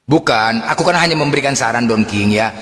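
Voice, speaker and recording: A man's voice: mid-range voice, a little fast, a bit bright. A man debating as a Muslim preacher, challenging and mocking his opponent, repeating his questions. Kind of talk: heated live debate. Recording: echoey room with long reverb.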